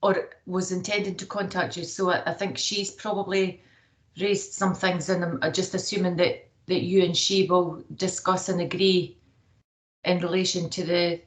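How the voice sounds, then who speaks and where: A woman's voice: lowish voice, level tone, measured pace, low-quality recording. Polite woman asking a question. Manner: polite, thanks people often. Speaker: board member asking a question.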